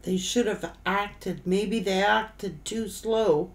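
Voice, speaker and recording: A middle-aged woman giving an unscripted tarot reading in halting, broken phrases that she often repeats. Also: medium pitch. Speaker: tarot reader. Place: indoor room, seated at a table.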